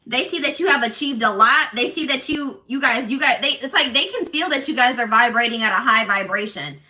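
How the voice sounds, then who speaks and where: A woman with a strong, loud voice giving a casual tarot reading to viewers in an assertive, emphatic, repetitive manner. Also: a little high, a little fast, recorded from a distance. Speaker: tarot reader and channel host.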